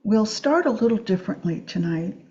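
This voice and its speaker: A woman with a dark, very mellow voice leads a guided meditation. She speaks gently and soothingly, leaving long, unhurried pauses between short phrases. The recording is slightly dull and muffled. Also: mid-range voice, lively intonation. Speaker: meditation teacher. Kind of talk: guided Yoga Nidra meditation.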